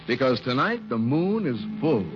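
Emphatic male radio announcer, lively pitch, old dull broadcast sound. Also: moderate pace, background noise. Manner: hearty, emphatic.

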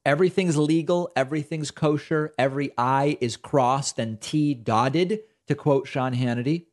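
A middle-aged American man hosts a political commentary show, his ordinary mid-pitched voice carrying a sarcastic, exasperated edge. He talks loosely and conversationally, tossing in asides and flat put-downs, and reads quotes aloud with heavy emphasis.

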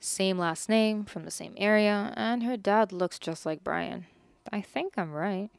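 A woman's voice: medium pitch, measured pace, gravelly, smooth, no echo. A young woman in a scripted audio drama, earnest and curious, a little defensive.

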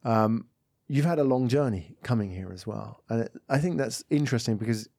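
A man's voice: mid-range voice, fairly quick, creaky, mellow, dry recording. A man hosting a tech podcast interview in a studio, asking rambling conversational questions. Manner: conversational, leading questions with many fillers. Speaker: podcast host.

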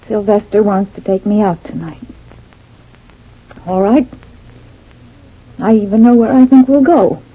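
An actress playing an earnest, hesitant grown daughter, in old radio-drama style. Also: female voice, a little high. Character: troubled grown daughter of a family. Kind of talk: 1940s radio acting. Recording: tinny thin old radio recording.

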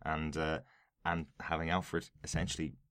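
A man's voice: extremely low pitch, level tone, moderate pace, fairly bright tone, dry recording, studio quality. An Irishman co-hosting a podcast, chatting casually and prompting his co-host with questions.

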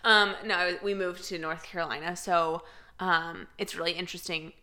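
A woman's voice: on the low side, steady tone, normal speed, bright, forceful tone. A woman in her twenties with an American accent, chatting casually on a podcast with lots of fillers and easy laughter. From United States. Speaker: podcast co-host. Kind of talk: casual chat.

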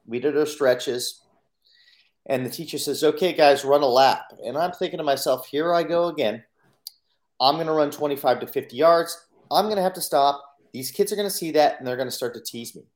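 A man's voice: on the high side, a little fast. A man telling his own life story on a podcast in an earnest way, acting out his inner thoughts in quotes. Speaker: podcast guest. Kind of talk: personal storytelling.

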